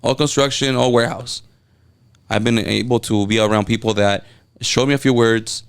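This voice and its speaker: Man, Mexican Spanish accent, gravelly, smooth, excited storyteller, casual interview. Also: mid-range voice, normal speed. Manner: excited storytelling, many restarts and fillers. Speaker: guest, event videographer.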